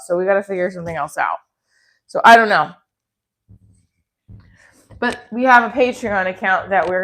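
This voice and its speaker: A woman's voice: medium pitch, fairly bright tone. A middle-aged woman with a congested, stuffy nose, chatting casually and candidly as she hosts a live stream from home in a rambling, blunt way. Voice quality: stuffy-nosed. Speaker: live stream host, comedy creator and performer. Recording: clearly noisy home recording with clicks.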